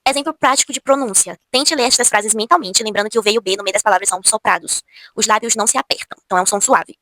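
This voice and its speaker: Brazilian woman, spanish teacher, fast talker, repeats words slowly to demonstrate, dry close sound. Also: fairly high pitch, pushed and bright, no room sound. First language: Portuguese. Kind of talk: casual video lesson.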